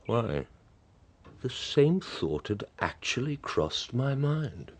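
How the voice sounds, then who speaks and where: An actor playing a cold, vengeful count in a radio drama, measured and coolly menacing. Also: male voice, medium pitch, big pitch swings, breathy edge, full character voice. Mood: icy politeness. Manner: measured, icily polite, menacing.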